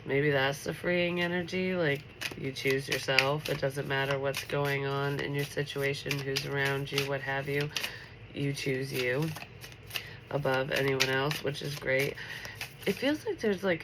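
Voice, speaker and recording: A congested woman talks through a late-night tarot reading in a chatty, upbeat way, her voice sitting in a gravelly fry. Steady noise hums under the recording, and cards shuffle now and then. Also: sits low, unhurried. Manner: chatty and upbeat, full of filler words. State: stuffy, congested nose. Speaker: tarot reader.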